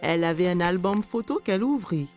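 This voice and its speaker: A woman's voice: lowish voice, animated, brisk, darkish tone. Woman narrating a children's cartoon over music. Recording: music behind the voice. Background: background music.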